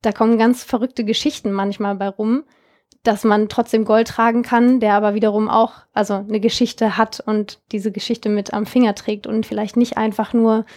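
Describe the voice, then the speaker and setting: Speaking at a moderate pace in a level, somewhat dark mid-range voice, a young woman from Germany fields interview questions. She runs a jewelry company she founded, and her casual, chatty answers are full of fillers and restarts.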